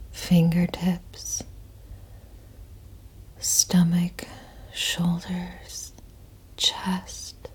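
Low slow whisper from a woman, super breathy, soft and mellow, asmr roleplay vibe. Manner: slow, hushed, intimate whispering. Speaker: audio performer.

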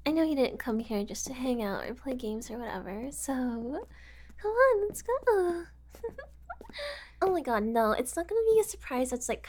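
A woman's voice: sits high, a little mellow, a little hiss or hum. A woman playing a giggly, unhinged young woman kidnapper who teases and whispers asides in a sweetly menacing way. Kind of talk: audio roleplay acting.

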